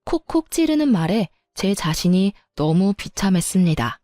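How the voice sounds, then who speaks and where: A woman telling a first-person story in a plain, steady manner. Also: medium pitch, moderate pace, no echo, studio quality, soft background music.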